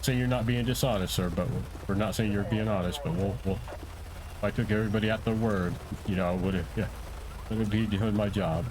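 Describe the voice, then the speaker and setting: Low-voiced man, casual game tutorial. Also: steady tone, normal speed, background noise. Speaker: streamer and tutorial host, playing a police officer.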